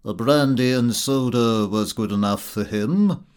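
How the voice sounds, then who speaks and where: A man voicing a languid, self-satisfied Victorian gentleman with a nonchalant drawl. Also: medium pitch, measured pace, smooth, pitched below the performer's own voice, close to an everyday voice.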